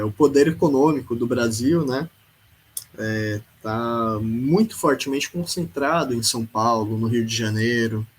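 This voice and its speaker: A man's voice: mid-range voice, slightly rough, low-quality recording. A man hosting a podcast, giving casual, sarcastic political commentary and peppering his speech with filler tags. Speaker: podcast host.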